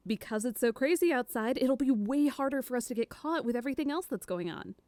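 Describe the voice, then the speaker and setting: A woman playing a bold, impulsive young fugitive in an audio drama, brisk and sarcastic. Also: high-pitched, animated, a little mellow, no echo. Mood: brash, confident.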